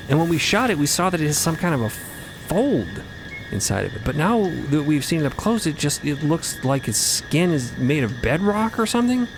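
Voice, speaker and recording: A man's voice: fairly high pitch, noisy background. A man acting in an audio drama with an earnest, thoughtful delivery.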